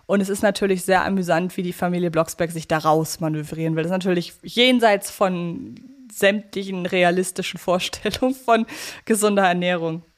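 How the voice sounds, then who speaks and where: A woman's voice: on the low side, fairly even intonation, brisk. A woman co-hosting a casual fan podcast, talking in a chatty, reflective way. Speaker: podcast co-host.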